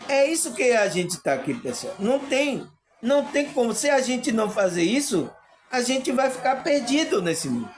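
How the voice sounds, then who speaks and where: A man's voice: extremely high pitch, sing-song, moderate pace, music in the background. A man talking casually and earnestly to his viewers about spiritual perception, often checking in with "you know?" and laughing. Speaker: spiritual video host.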